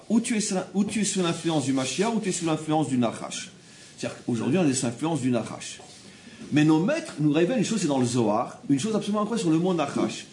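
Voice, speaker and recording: Brief: male religious teacher, a little high-pitched, highly animated delivery, repeats himself for emphasis, recorded in an echoey room. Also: a little hiss or hum. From France. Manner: animated, repeats phrases, acts out quoted people. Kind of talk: Torah class lecture. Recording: roomy room with faint background ambience.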